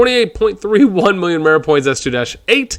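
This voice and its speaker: This robotic, put-on character voice moves at a fairly quick pace with very wide pitch swings. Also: man. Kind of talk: formal announcement. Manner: robotic, announcer-like.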